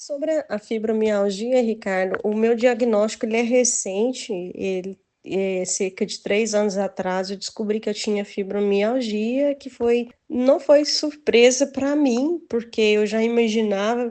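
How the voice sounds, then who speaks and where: The pace is fairly slow. It is an ordinary speaking voice with ordinary pitch variation. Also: woman, fairly high pitch for a woman. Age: 40s. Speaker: administrative assistant and local photographer. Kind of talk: interview.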